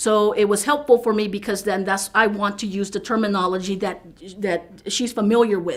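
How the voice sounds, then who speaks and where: The speaker has a non-native accent. Intonation stays fairly even. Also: woman. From Texas. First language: ASL. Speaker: sign language interpreter. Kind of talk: interview. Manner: halting, many fillers and repetitions.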